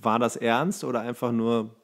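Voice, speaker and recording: A man's voice: mid-range voice, fairly even intonation, moderate pace. A man in his thirties chatting casually as a podcast co-host, rambling and rephrasing mid-sentence. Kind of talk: casual chat.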